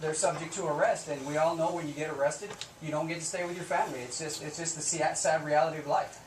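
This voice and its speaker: A man's voice: on the high side, fairly even intonation, fast talker. A man speaking as a Border Patrol officer in a news interview, making his case in an earnest, insistent, plain-spoken way. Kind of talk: live news interview answers. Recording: roomy echo, distant mic, faint noise.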